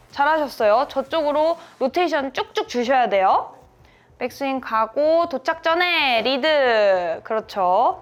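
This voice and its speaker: A woman golf instructor coaching a student through swings, encouraging them and calling out sound cues like "bang" on each hit. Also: high voice. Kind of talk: hands-on golf lesson coaching.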